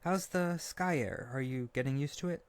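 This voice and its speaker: A man playing an earnest, lovesick young harpy bird-boy in a roleplay audio drama, gentle and insecure, speaking tenderly with hesitant stammers. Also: medium pitch, moderate pace, clean tone, natural voice. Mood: wistful. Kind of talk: roleplay audio drama spoken intimately to the listener.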